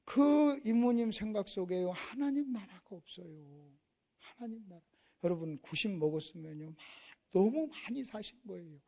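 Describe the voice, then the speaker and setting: A middle-aged man from Korea preaching a revival sermon in a church, passionate and swinging from hushed storytelling to shouting. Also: high-pitched, lively intonation, normal speed, creaky. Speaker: pastor. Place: church sanctuary.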